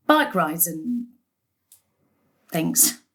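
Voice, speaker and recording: A woman's voice: low voice, very animated, very slow, a bit bright, heavily acted. An actress playing a weary, self-effacing middle-aged mother who longs for freedom. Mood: wistful.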